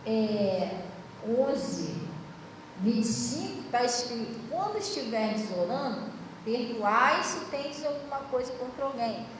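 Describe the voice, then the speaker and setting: A woman pastor with a Brazilian Portuguese accent preaches in a high voice, in a conversational way that keeps checking whether the congregation understands. She is recorded from a distance in a long, echoing church hall. Room noise is clearly heard. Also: lively intonation, slow. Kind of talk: sermon.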